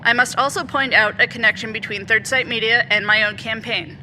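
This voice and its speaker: An actress playing an earnest woman politician in an audio drama, speaking in a formal, measured, deliberate way. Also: a little high, steady tone, sharp tone, a little hiss or hum. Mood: composed, firm. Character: measured, earnest woman mayoral candidate giving official statements.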